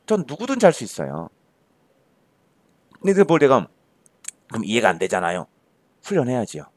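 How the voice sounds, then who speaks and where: A man's voice: medium pitch, huge pitch swings, moderate pace, no echo. A male tutor giving an emphatic classroom lecture and firing rhetorical questions at his students. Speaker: Korean-language tutor.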